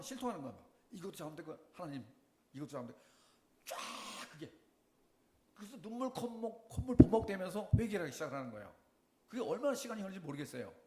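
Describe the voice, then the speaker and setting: A middle-aged man giving a sermon testimony, telling his story with lively questions to the congregation. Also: on the high side. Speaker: preacher. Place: church. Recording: echoey church room.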